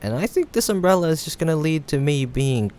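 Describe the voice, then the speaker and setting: A young man playing a playful, caring friend in a casual improvised audio roleplay, teasing yet reassuring, with hesitant pauses. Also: on the high side, big pitch swings, a little mellow. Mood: concerned. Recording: faint background noise, rain ambience. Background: rain sound effects.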